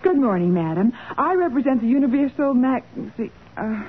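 A woman's voice: fairly high pitch, very animated, moderate pace, phone-quality sound. A woman playing a perky young detective's assistant with a pert American delivery in a 1940s radio crime drama. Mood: politely flustered. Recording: scratchy, thin 1940s radio recording.

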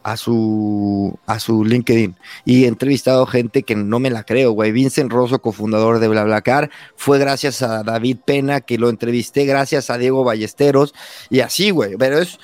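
A Mexican man in his thirties, a podcast host telling his story in a relaxed chat, acting out quoted lines with lively voices. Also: medium pitch, normal speed, no room sound. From Mexico, San Luis Potosí. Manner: animated, acts out quoted dialogue, says güey constantly. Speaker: podcast host being interviewed. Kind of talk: casual conversation.

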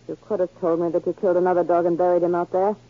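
A woman's voice: fairly low pitch, flat delivery, very fast, lightly acted. An actress playing a nervous, resentful female spy accomplice in a 1940s radio drama. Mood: bitter. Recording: scratchy, narrow-band 1940s radio recording.

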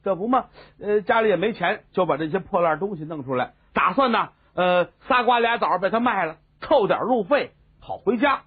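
An animated male storyteller tells a comic tale in a fairly high voice that swoops lively up and down. His tone is husky. The sound is tinny and phone-like. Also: moderate pace, hardly any pauses. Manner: animated and voicing many characters.

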